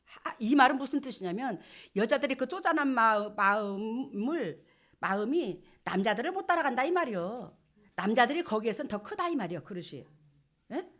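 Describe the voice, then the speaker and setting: Woman pastor, middle-aged; high, bright voice, folksy, playful sermon delivery. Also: normal speed. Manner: folksy, animated, acts out couples' quarrels with laughter.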